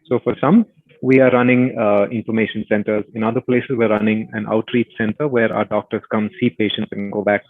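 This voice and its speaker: A man's voice: lowish voice, level tone, a little fast, no room sound. A man speaking as a company executive, answering questions on an earnings call over a phone line.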